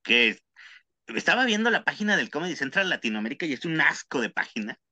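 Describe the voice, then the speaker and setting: A man's voice: a little high, very animated, fast, sharp tone, no echo. A man with a Mexican accent, casually chatting as a podcast co-host, rambling and slangy, tagging lines with tag questions. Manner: slangy, rambling storytelling with frequent "¿no?". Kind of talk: casual chat.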